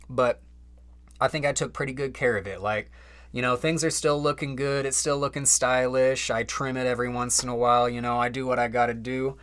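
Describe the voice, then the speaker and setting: A man's voice: medium pitch, a bit bright. A young man casually chatting on a live stream from home, loose and slangy with lots of fillers. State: slightly out of breath.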